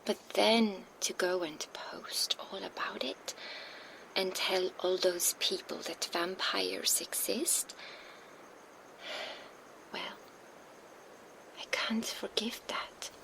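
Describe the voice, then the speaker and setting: A woman voicing a cold, menacing female vampire enforcer in an ASMR roleplay, speaking in a soft, slow, taunting whisper into a binaural microphone. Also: medium pitch, steady tone, creaky, low-quality recording.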